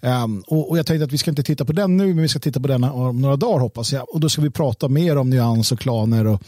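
A man hosting a casual discussion, with a husky, breathy edge to his voice. He speaks haltingly, restarting and repeating words as he works through an anecdote. The sound is dry and close. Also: mid-range voice, a little mellow, no echo. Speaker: host.

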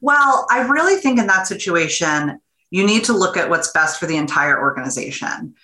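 A woman executive giving measured, earnest business advice as a podcast guest. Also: lowish voice, animated, bright, forceful tone, reverberant. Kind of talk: interview answers.

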